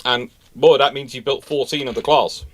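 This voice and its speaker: A man's voice: mid-range voice, steady tone, normal speed. A man hosting a casual live question-and-answer show, talking emphatically and rephrasing his points for stress. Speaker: host of a naval history question show.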